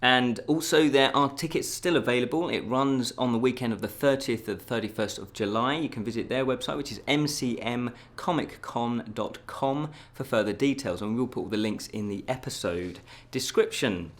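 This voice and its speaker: A man's voice: mid-range voice, normal speed. A man presenting scripted news items as a show host, in a casual, chatty way with jokey asides.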